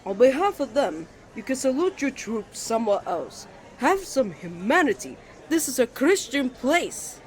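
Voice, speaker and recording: A man's voice: extremely high pitch, sing-song, unhurried, pitched above the performer's own voice, heavily acted, poor audio. A man voicing a kind, earnest young twin brother who gets nervous and stammers easily in a romantic roleplay. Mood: annoyed, protective. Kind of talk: ASMR romantic roleplay acting.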